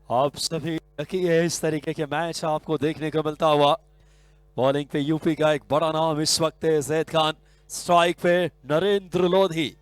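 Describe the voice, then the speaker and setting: Male cricket commentator, Hindi accent, fairly high, smooth dry voice, excitable play-by-play. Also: no room sound. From India. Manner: excitable, rising sharply on big shots. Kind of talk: live sports commentary.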